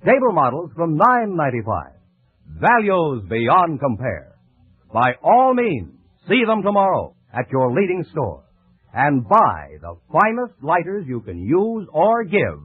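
A man announcing on a 1940s radio show, reading sponsor pitches and game updates. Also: wildly swooping pitch, unhurried, slightly rough, dry recording. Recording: muffled, dry old radio recording.

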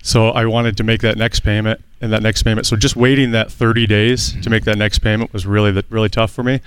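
Earnest low-voiced man in his thirties. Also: level tone, brisk, clean tone. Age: 30s. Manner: earnest, chuckling, plain-spoken. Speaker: guest. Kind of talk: telling his story in a studio interview.

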